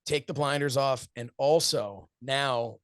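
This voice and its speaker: Gravelly-voiced man in his forties. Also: medium pitch, slow pace, fairly bright tone, no echo, clean studio sound. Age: 40s. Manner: earnest, storytelling, acts out quoted friends, laughs often. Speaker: wrestling commentator and show host, interview guest. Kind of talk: reflective interview answers.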